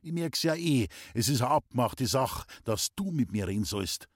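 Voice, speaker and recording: A man's voice: medium pitch, lively intonation, normal speed, slightly rough, no room sound. A curt, brooding young villager, as a reader plays him, clipped and dry in every answer. His voice stays close to the reader's own mid-range tone, recorded dry and close for a storybook audiobook. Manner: terse, dry.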